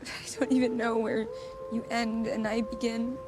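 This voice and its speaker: An actress playing a teenage girl who speaks softly and haltingly in a tearful eulogy. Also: a little high, flat delivery, background noise, natural voice. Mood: grieving. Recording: show clip under loud music.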